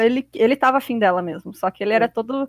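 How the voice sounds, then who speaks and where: A woman speaks very fast at a fairly high pitch. The recording is very clean and dry, close-miked with no echo and a silent background. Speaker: podcast host. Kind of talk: true crime storytelling.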